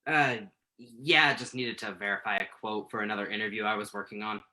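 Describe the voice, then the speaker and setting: Man playing a hesitant, bright-voiced journalist. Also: on the low side, fairly even intonation. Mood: awkward, guarded. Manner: hesitant, halting. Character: Tuck, conflicted entertainment journalist man hiding his identity. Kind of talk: virtual staged play reading, naturalistic dialogue.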